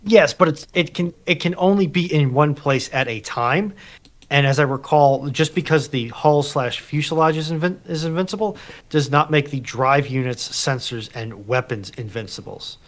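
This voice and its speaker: A man's voice: a little high, normal speed. A man on a panel in casual debate, pressing his objections point by point.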